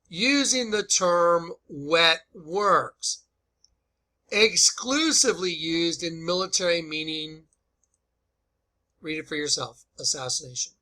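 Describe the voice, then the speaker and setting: A man's voice: a little high, bright, forceful tone. A man hosting informal opinionated commentary, speaking in an emphatic, repetitive, accusatory way. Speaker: video host and commentator.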